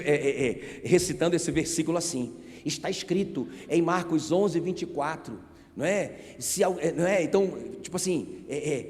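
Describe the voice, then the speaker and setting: A man preaching a sermon as pastor, emphatic, asking the congregation rhetorical questions and calling on them to shout back. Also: a little high. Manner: asks the crowd rhetorical questions. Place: church sanctuary. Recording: reverberant church hall.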